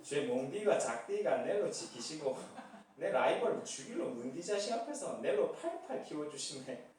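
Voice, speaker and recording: A man voicing a rustic countryman with a Gyeongsang dialect, reciting slowly and emphatically. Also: a little high, sing-song, a little mellow, a little hiss or hum. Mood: hearty. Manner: slow, emphatic, laughing through it. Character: gruff rustic southeastern man reciting a psalm. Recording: echoey church hall from far off.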